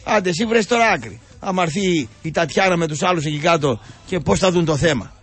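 An older man hosts a radio show, ranting with indignant sarcasm and rambling on through filler after filler. His voice sits high and sounds husky. Faint music plays under the broadcast. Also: lively intonation, a bit bright.

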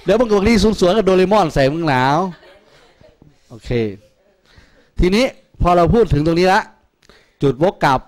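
A man's voice: sits high, lively intonation, normal speed, pauses often. A man teaching math in a classroom, teasing his students with crude jokes. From Thailand. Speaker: math tutor. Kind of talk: classroom lecture.

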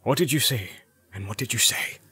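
A man performs a grave old wizard from a fantasy storybook. His voice is sharp and forceful, with lively swings of pitch. He is stern, urgent and commanding. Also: brisk, breathy edge, no room sound, heavily acted.

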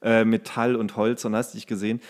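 A man's voice: lowish voice, flat delivery, brisk. A male podcast co-host chatting casually about practical things in a colloquial, jokey, rambling way. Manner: colloquial, jokey, loose and digressive. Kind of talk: casual, rambling chat about tools and DIY.

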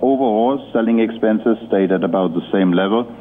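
Male executive for an earnings call: lowish voice, formal, hesitant delivery, heard over a thin telephone connection. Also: fairly quick. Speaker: company executive. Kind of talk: prepared earnings-call presentation. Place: conference call line. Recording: muffled phone-line audio with noise.

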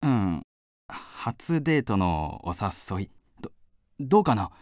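A man's voice: fairly low pitch, sing-song, slow, darkish tone, dry recording, clean studio sound. A male voice actor playing a shy, earnest, hesitant teenage schoolboy with a crush in an acted drama scene. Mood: shy, nervous. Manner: hesitant, boyish. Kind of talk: anime-like acted dialogue.

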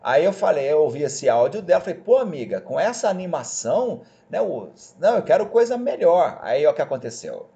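A man talking casually and persuasively to viewers over a screen recording, chatty and animated. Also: on the high side, fairly quick, creaky, hardly any pauses, highs cut off. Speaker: job placement agency host.

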